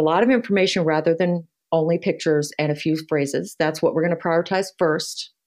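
A woman's plain, everyday voice, fairly low in pitch, with ordinary pitch variation and a quiet background. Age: 50s. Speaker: dating author and coach. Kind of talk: interview.

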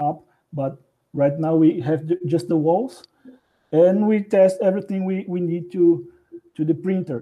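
At a moderate pace, the voice has a dark, mellow tone and fairly even intonation. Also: man. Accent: Brazilian. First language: Portuguese. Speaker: engineering professor. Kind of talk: interview.

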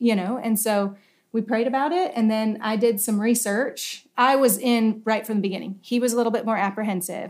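A woman speaks in a normal speaking voice with an American accent. Her pitch is fairly high, her intonation fairly even, and her pace fairly quick. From Idaho and Alaska. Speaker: foster parent. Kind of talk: casual interview.

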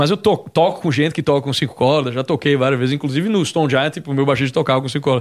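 On a very clean recording with a silent background, a man with a fairly high pitch speaks at a very fast pace. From Recife, Brazil. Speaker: pianist and youtuber. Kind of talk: casual interview conversation.

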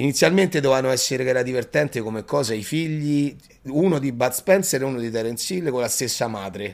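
This man talks at a very fast pace. His medium pitch shows ordinary variation. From Rome, Italy. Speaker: actor. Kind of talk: casual chat.

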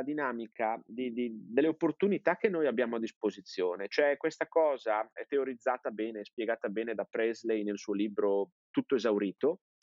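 A man with an ordinary speaking voice keeps a moderate pace, his pitch moving in an ordinary way. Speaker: content marketing expert. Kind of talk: casual interview.

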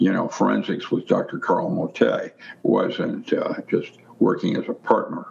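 There is noticeable background noise behind this recording. A man with an American accent speaks at a fairly slow pace. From US Pacific Northwest, Seattle. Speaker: physicist and metaphysics author. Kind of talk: casual chat. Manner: animated.

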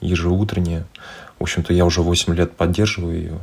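There is noticeable background noise. Over it, a man speaks with a very deep, low voice. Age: 40s. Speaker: parent of a child with muscular dystrophy, company director. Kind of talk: recorded personal testimony.

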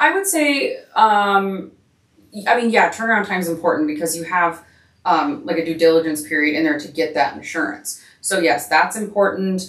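Lively in intonation, a woman with an unremarkable speaking voice and fairly low pitch talks at a moderate pace. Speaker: realtor. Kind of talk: casual chat.

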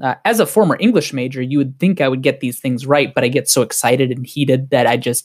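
With a Wisconsin accent, the voice comes across dry and close with no echo, its pitch varying in an ordinary way. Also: man. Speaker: soccer podcaster. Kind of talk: casual chat. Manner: long-winded.

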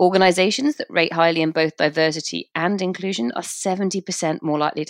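A woman speaks at a fairly quick pace with ordinary pitch variation. The sound is dry and close with no echo, over a quiet background. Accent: British. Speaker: podcast host. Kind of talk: casual interview discussion. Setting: remote recording.

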